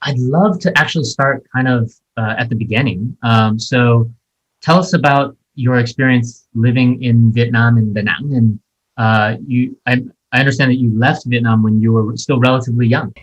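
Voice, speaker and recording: A man's voice: medium pitch, fairly even intonation, normal speed, low-quality recording. A man hosting a podcast interview, introducing a guest and asking questions in an enthusiastic, chatty way with fillers. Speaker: podcast host.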